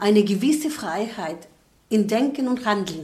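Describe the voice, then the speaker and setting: With a Spanish accent, a woman speaks at a fairly slow pace and a fairly high pitch. Her intonation is lively, and room echo is audible. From Chile. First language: Spanish (speaking German). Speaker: artist. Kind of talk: radio panel discussion.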